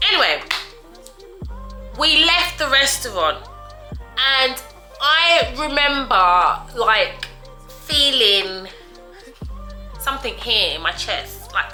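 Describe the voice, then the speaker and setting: A woman's voice: medium pitch, pushed and bright, reverberant. A woman vlogging a restaurant review, telling a story in a chatty, dramatic way and calling her viewers guys and darling. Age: older than her friends, adult. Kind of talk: casual storytelling to camera.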